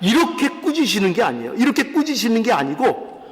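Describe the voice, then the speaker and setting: A man's voice: very high voice, sing-song, quick pace, big-room sound. A male pastor giving a fervent sermon, pleading and urging his congregation. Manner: fervent preaching, voicing God's pleas in quotes. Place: church sanctuary.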